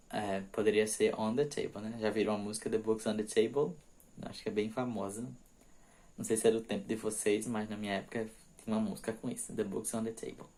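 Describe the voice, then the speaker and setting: In a bilingual grammar lesson, a man teaches English prepositions, reading example sentences slowly, then explaining them quickly and often checking in with "ok?". His voice is lowish with a darkish tone.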